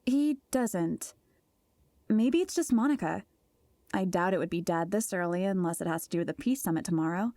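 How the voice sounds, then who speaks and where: A woman's voice: lowish voice, animated, normal speed, mellow, no room sound. A woman acting in an audio drama as a friendly, sheltered young gamer with a casual, wry manner. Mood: casual, reassuring. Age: young adult.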